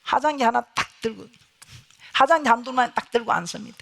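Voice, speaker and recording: A woman preaching a revival sermon in a church with a Gyeongsang Korean accent, telling stories, loud one moment and hushed the next. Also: a little high, brisk, vocal fry. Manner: storytelling, swings from loud to hushed. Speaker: guest pastor. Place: church sanctuary.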